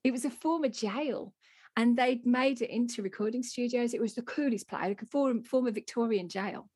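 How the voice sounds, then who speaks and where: A woman in her thirties with a Black Country accent, co-hosting a podcast and telling stories in a chatty, animated, self-mocking way. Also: fairly high pitch, normal speed, breathy edge, dry recording, clean studio sound. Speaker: podcast co-host. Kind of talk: casual chat.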